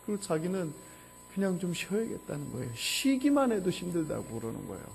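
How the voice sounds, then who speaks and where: Male pastor, 40s, personal-story sermon; quiet intimate delivery with bursts of passion, faint background music. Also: huge pitch swings, brisk, creaky. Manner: emotional storytelling, mostly low and hushed, rising to loud fervor. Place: church sanctuary.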